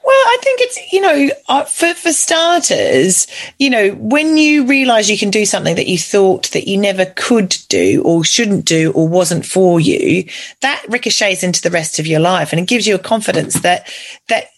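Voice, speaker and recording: A woman's voice: medium pitch, sing-song, normal speed. A woman talking casually and effusively on a podcast, joking and swearing as she goes. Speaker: podcast guest, amateur runner. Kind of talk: casual chat.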